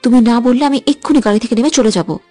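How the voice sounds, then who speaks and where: A young woman playing a teasing, quick-tempered heroine in a dramatized audio love story, bickering and sulking playfully. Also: on the high side, mellow, dry recording, faint music behind, lightly acted. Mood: sulky.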